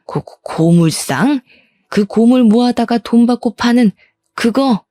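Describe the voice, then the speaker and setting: A woman's voice: medium pitch, little pitch movement, unhurried, warm tone, no room sound, lightly acted. A woman voicing a haughty, scornful older mother-in-law in a spoken story. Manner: scornful, stammers in shock.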